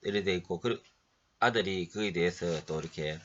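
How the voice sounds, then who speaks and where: A man preaching a halting lecture-style sermon while he has a cold, often clearing his throat and pausing on fillers. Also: deep voice, slight background noise. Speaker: pastor. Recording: dull lo-fi recording.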